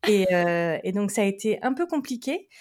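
A woman's voice: mid-range voice, very animated, normal speed, a little mellow. A woman from France, a lawyer, chatting as a guest in an interview, laughing often and restarting her sentences. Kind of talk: casual interview chat.

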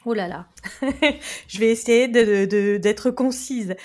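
A woman's voice: fairly high pitch, slow. A woman from France, a lawyer, chatting as a guest in an interview, laughing often and restarting her sentences. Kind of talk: casual interview chat.

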